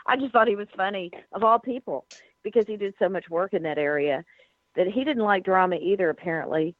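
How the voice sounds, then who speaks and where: A woman's voice: medium pitch, fairly quick, dry recording. A woman guest on a radio panel, speaking earnestly and appreciatively. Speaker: round table guest. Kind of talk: casual radio panel chat. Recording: tinny phone line, dry.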